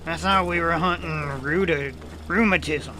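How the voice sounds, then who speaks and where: Man acting a bright, folksy Southern country fella. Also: a little high, a little slow, faint music behind. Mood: puzzled, skeptical. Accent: American South. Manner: folksy, drawling, muddles words. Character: folksy rural Louisiana man, secretly a man-eating werewolf. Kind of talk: audio drama acting.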